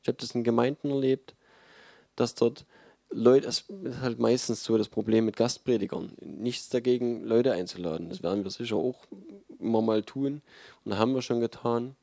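Male preacher, dark mellow tone, dry close sound, conversational and emphatic sermon delivery. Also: mid-range voice, normal speed, creaky, no room sound.

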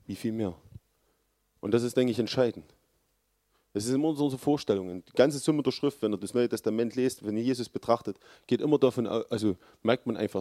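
A man preaching a sermon, with earnest, loud emphasis that drops to low, quiet lines. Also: dry recording, studio quality.

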